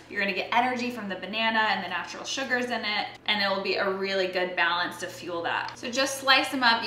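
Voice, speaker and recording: A woman's voice: a little high, sharp tone. An American woman in her thirties chatting casually to camera as she hosts a cooking demonstration, in an informal conversational way. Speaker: fitness vlogger and recipe host. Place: home kitchen, indoors. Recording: roomy kitchen echo, faint background noise.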